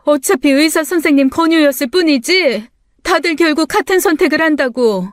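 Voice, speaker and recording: Story-radio figure: middle-aged mother, tearful and pleading, raised high voice, played by a woman narrator. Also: normal speed, no echo, clean studio sound, close to an everyday voice. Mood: insistent.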